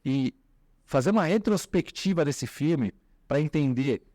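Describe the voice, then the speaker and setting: A man hosts the conversation and steers it with lively, leading questions. His voice sits a little higher than most men's and sounds dry and close to the mic. He keeps the talk moving along. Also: a little slow, dry recording. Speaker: podcast host. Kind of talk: interview questions.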